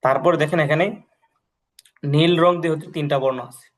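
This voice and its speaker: A young male teacher with a fairly high voice leads an online class. He explains each point patiently and drills the alphabet by saying every letter three times in a steady, even rhythm. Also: fairly quick. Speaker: language teacher.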